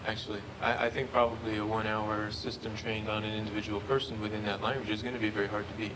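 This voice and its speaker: Halting lower-voiced man presenting research. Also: little pitch movement. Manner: halting, repeats words. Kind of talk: research talk Q&A. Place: lecture room. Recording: noisy room recording.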